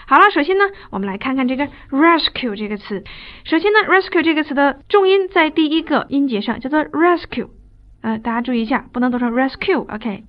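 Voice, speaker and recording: Woman ESL teacher, high voice, lecture with slow drilled phrases, dull lo-fi audio. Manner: switches between fast chatty explanation and slow drilled English phrases. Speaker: English teacher. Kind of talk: recorded classroom lecture.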